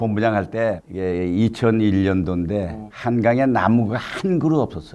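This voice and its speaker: A man speaks at a moderate pace with a medium pitch and ordinary pitch variation, over noticeable background noise. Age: 80s+. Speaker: retired civil servant, professor. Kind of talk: interview answer.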